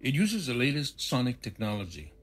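A man's voice: medium pitch, sing-song, fairly quick, faint music behind. An actor in an audio drama playing an obliging but wary hunting-shop salesman with a polite sales manner. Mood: keen, selling.

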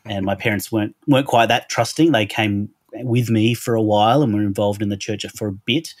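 A middle-aged man with an Australian accent talks through his answers at a thoughtful pace, often backing up to restart a phrase. His voice sits fairly low. The recording is dry and close, with no room sound. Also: steady tone, a little fast, dry recording. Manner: thoughtful, restarts phrases, lists words in a row. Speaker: podcast guest, Anglican minister. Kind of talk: casual interview talk.

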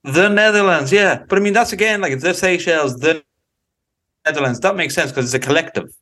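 Young irish guy, dry teasing chat, voice sits a little high. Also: brisk, sharp tone. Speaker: podcast co-host. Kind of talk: casual chat.

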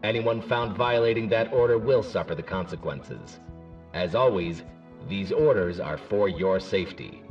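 Outdoor loudspeaker announcement, stern official man, as an actor puts him on, low voice, distant and muffled. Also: expressive, moderate pace, faint music behind. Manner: formal, commanding, official. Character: stern male town official giving curfew orders.

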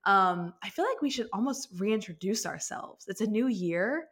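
A woman's voice: mid-range voice, animated, moderate pace, fairly bright tone, breathy edge. A woman from the American Midwest co-hosting a podcast in a bubbly, enthusiastic way. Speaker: podcast co-host. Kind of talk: casual chat.

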